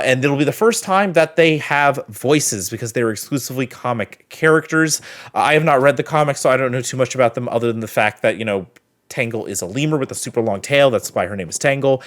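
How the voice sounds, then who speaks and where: A man with a chatty, expressive manner hosting a reaction video and giving casual commentary and review. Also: mid-range voice, brisk.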